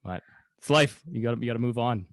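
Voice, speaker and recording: A man with a medium-pitched voice chats casually as a podcast host. His phrasing rambles and halts, and the recording is dry with little room sound. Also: fast talker, no echo. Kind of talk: casual chat.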